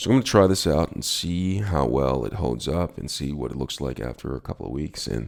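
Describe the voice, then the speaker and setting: Speaking at a fairly quick pace, a man with a very deep, low pitch uses lively intonation and vocal fry. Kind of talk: product unboxing review. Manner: ASMR style.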